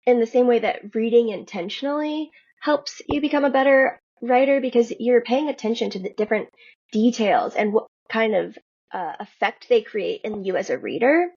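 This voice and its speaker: A woman with a fairly high voice that is full of fry and husky at the edges. She chats casually as an interview guest, and the audio is a little dull. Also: moderate pace, a little mellow. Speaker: writer, podcast guest.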